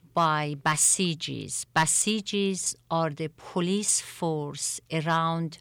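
Slow, low-voiced woman from Iran. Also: a bit bright, smooth, no echo. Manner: halting, many repeated words and restarts. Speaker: guest, attorney and activist. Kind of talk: interview answers.

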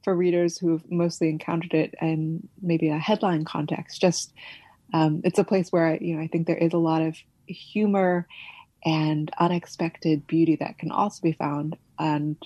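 A woman's voice: sits low, little pitch movement, moderate pace, breathy edge, dry recording, highs cut off. A woman from California, an author, answering interview questions thoughtfully, with frequent fillers. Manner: thoughtful, with fillers and soft laughs. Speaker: author guest.

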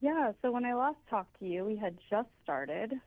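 Guest: woman founder, mid-pitched, earnest, dry and phone-thin sound. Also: big pitch swings, moderate pace, no room sound. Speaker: organization founder. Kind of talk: casual interview chat. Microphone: phone line. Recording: tinny phone line.

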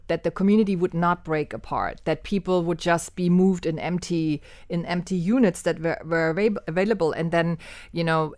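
A German woman in her fifties talks about her work in a relaxed interview. Her voice sits low, and the sound is close and dry. She is animated, laughs easily and repeats words while she hunts for them. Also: dry recording. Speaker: documentary filmmaker, guest. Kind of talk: casual interview conversation.

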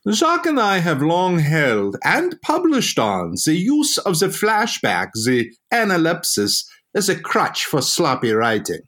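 A man's voice: a little high, wildly swooping pitch, a little slow, hardly any pauses, fairly bright tone, full character voice. A man playing a pompous existentialist, narrating a comic retrospective in indignant academic language. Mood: pompous indignation. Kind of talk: scripted mock-retrospective narration.

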